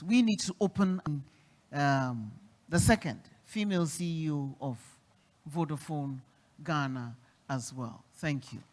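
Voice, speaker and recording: A minister moderating a forum panel, chatty and affirming as they thank and introduce speakers. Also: medium pitch. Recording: echoey hall.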